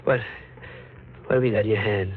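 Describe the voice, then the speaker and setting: A man's voice: lowish voice, fairly even intonation, fairly quick, slightly rough, rough recording. An actor playing a wounded, feverish man on the run with an American accent, in dramatic 1940s radio horror style with short clipped sentences. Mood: alarmed, defiant. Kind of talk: 1940s American radio horror acting, first-person narration. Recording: old radio recording with music behind. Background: music.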